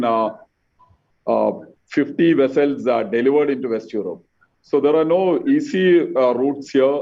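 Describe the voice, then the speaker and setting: Distant man on a dull call line. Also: mid-range voice. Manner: measured, halting, repeats words. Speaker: company executive. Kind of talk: earnings conference call answers. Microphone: conference call line.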